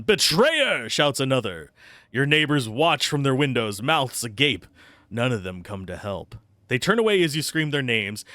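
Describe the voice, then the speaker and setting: Animated male streamer, dry close mic. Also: medium pitch, dry recording. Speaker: game streamer. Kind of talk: live playthrough commentary, reading game text aloud. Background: faint game music.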